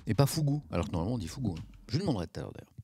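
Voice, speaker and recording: A man's voice: sits low, very animated, racing, gravelly, mellow, breathy edge, soft background music. A man, chatting casually on a live stream, reacting to chat and mocking himself.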